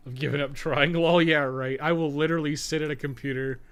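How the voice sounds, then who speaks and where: A man's voice: a little high, steady tone, fairly quick, fairly bright tone. A man giving casual, rambling gameplay commentary with plenty of swearing and crude joking. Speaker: podcast co-host streaming a video game. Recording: clearly noisy background.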